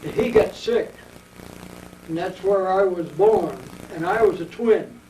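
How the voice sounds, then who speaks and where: A man in his eighties with an American accent, telling his war memories at length in an oral history interview, wandering and pausing as he remembers. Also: sits high, warm tone, a little hiss or hum. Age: 80s. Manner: rambling reminiscing storyteller. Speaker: veteran interviewee. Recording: echoey room, mic at a distance.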